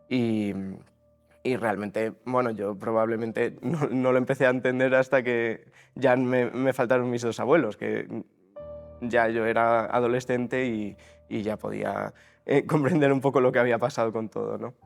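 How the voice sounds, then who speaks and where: A man's voice: medium pitch, clean tone. A man in his twenties from Spain's Basque Country, giving a testimony in an interview and often stopping to restart his words. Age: 20s. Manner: hesitant, many restarts and fillers.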